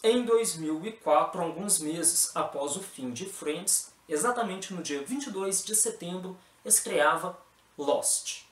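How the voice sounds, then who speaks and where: A man's voice: high-pitched, slow. A young man with a Brazilian accent, presenting the news in a formal, scripted read from a desk in a small room. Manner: even, formal anchor delivery. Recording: roomy echo with faint music behind.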